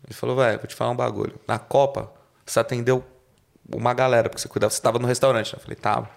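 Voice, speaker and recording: A man's voice: mid-range voice, level tone, very fast, creaky. A man from Brazil telling stories as a podcast guest in casual slangy talk, acting out quoted dialogue. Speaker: podcast guest, car salesman. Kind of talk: casual storytelling.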